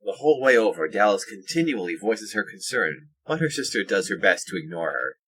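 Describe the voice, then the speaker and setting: A man narrates an audio drama from a script. His voice is very low and noticeably husky. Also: big pitch swings, brisk, fairly bright tone.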